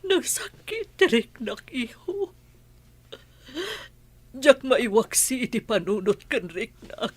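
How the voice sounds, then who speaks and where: A woman's voice: fairly high pitch, very animated, slow pace, long pauses, husky, full character voice. An actress playing a grieving mother who pleads tearfully with her jailed son. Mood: weary.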